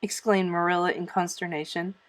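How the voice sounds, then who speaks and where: A woman narrating a story as a read-aloud, expressive and deliberate. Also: on the low side. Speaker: storybook reader.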